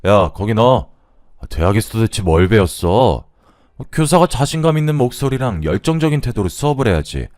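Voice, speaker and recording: A man's voice: lowish voice, a little mellow, dry recording, studio quality. A man doing a barking, bullying head teacher. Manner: barking, scolding. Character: bullying middle-aged male head teacher, hot-tempered.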